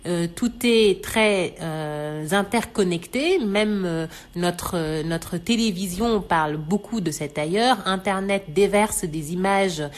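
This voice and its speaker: A woman from Senegal explaining on a radio talk show, measured and thoughtful, with many fillers. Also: on the low side. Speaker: radio show expert guest.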